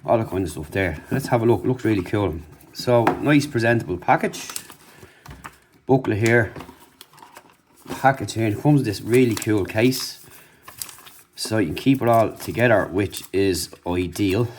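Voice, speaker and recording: Male product reviewer, lowish pitch, informal unscripted unboxing commentary, noisy recording. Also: unhurried, long pauses. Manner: informal, off-the-cuff demonstrating.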